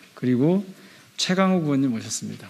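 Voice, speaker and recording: Lively intonation marks this man's fairly high voice. He talks at a moderate pace. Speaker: press conference moderator. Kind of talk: press conference. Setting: press conference in parliament lobby. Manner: formal. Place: hall. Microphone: podium.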